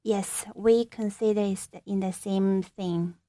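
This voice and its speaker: A woman researcher answering interview questions hesitantly, with many pauses and halting restarts. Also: medium pitch, fairly even intonation, mellow, no room sound. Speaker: researcher guest. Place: radio studio.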